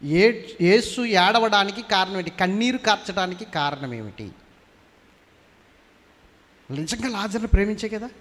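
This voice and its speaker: Guy pastor preaching in a church, keeps asking the crowd stuff, gets fired up, lots of hall echo. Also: high voice. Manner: questions the congregation constantly, rising to fervent emphasis. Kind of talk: sermon.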